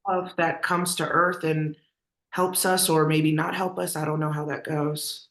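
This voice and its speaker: A woman's voice: low voice, little pitch movement, a little slow, fairly bright tone. A woman interviewer asking questions in a casual, conversational way, hesitantly rewording as she goes. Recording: echoey, roomy sound.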